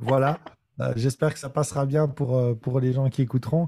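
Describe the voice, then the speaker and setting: A somewhat breathy voice with ordinary pitch variation on a very clean recording with a silent background. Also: man. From Belgium. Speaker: online course creator, trainer. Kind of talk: interview.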